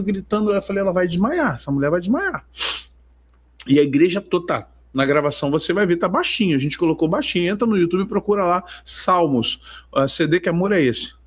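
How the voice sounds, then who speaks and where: A man, worship leader and preacher, telling a testimony in an emphatic, storytelling way and acting out the dialogue. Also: high-pitched. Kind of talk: sermon testimony.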